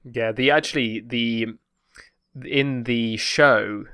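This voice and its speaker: A man speaks with a home counties accent in a bright, closely recorded voice. His pitch is middling. He chats in an explanatory, discursive way, correcting himself as he goes. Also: takes it slowly, clear, resonant tone, no room sound, studio quality. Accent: home counties English. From home counties, England. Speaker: podcast panellist explaining British terms. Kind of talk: casual explanatory chat.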